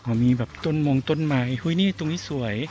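A man with a slightly high, mellow voice talks a little fast as he vlogs on foot, with some faint background noise. Chatty and full of exclamations, he addresses viewers as a group while walking along a street and through a garden cafe.

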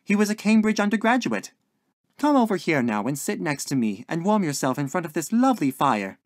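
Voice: medium pitch, big pitch swings, a little fast, no room sound, studio quality, pitched above the performer's own voice, natural voice. A narrator voicing a dainty, scatterbrained older landlady in a story, with sweet endearments and a coaxing, genteel manner. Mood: sweetly coaxing. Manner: sing-song, sighing, motherly endearments.

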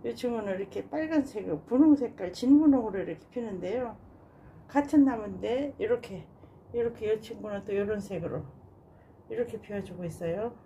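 A woman casually narrating a tour of her home balcony garden, gushing with soft admiring sighs. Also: medium pitch, a little fast, a little hiss or hum. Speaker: gardening vlogger. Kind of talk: casual narration while showing plants.

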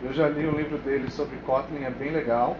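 A man's voice: mid-range voice, fairly even intonation, a little fast. A Brazilian Portuguese-speaking man with a Brazilian accent gives an informal technical talk as a developer, colloquial and often checking in with his listeners. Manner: colloquial, frequent check-in tags. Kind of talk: informal tech presentation with live demo. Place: indoor meetup room with whiteboard. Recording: echoey room, dull sound, clear noise.

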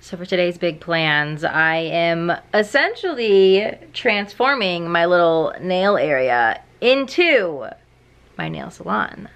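A woman's voice: fairly low pitch, expressive, takes it slowly, fairly bright tone, smooth. A young woman in her twenties chatting casually to camera in a small bedroom, with wry, self-mocking asides. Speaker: lifestyle vlogger. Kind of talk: casual vlog chat to camera.

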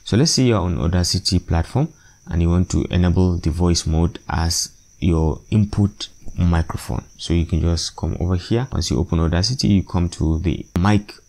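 A man narrating an unscripted software tutorial step by step, with hesitant, repetitive explanations. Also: low voice, normal speed, gravelly. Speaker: tutorial presenter.

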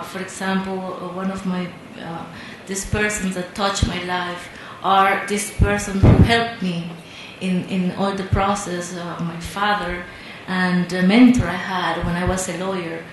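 Reflective woman in an echoey hall. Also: fairly low pitch. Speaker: conference panelist. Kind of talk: reflective panel answer. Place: large conference hall. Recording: echoey hall with background hiss.

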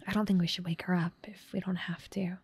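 A woman voicing a gentle, caring big sister in an ASMR roleplay, soft and slightly scratchy, tender and soothing, often whispering. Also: lowish voice, fairly even intonation, fast talker, breathy edge. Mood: tender, reassuring.

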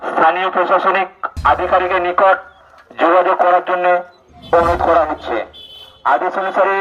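A man reading a formal public warning through a loudspeaker, in a slow, measured, monotone way. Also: high-pitched, soft background music. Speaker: panchayat announcer. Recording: dull lo-fi loudspeaker recording.

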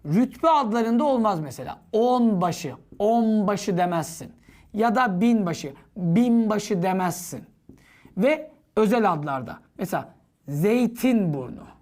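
A woman's voice: mid-range voice, lively intonation, unhurried, a little mellow. A woman teaching an exam-prep grammar lesson, asking herself questions and answering them in a playful, chatty way. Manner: playful, chatty classroom banter.

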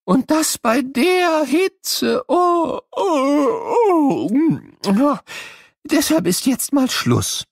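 High-pitched, excitable old professor, cartoonish, playful exclamations, drawn-out words, dry studio sound. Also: male voice, gravelly, no room sound, heavily acted. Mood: weary, playful. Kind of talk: children's educational audio play.

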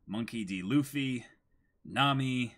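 A man's voice: medium pitch, slow pace, fairly bright tone. A man in his twenties chatting casually as he co-hosts a dramatic reading. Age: 20s. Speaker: co-host of a manga dramatic reading. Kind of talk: casual chat between read-aloud lines. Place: indoors against a studio backdrop.

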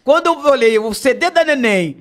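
Woman guest, lively raconteur who acts out every quote, slangy, voice pitched fairly low for a woman. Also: normal speed. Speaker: podcast guest, singer. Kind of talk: casual anecdote telling.

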